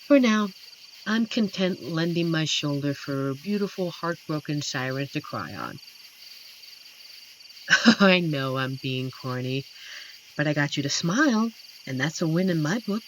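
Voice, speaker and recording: In this scripted, intimate roleplay for the listener, a voice actor voices a gentle, friendly, lonely werewolf who guards the forest and comforts a stranger. His medium-pitched voice is slow, tender, a little corny and expressive, gently self-deprecating, with hesitant pauses. The low-quality recording carries a little hiss or hum over crickets and night forest ambience.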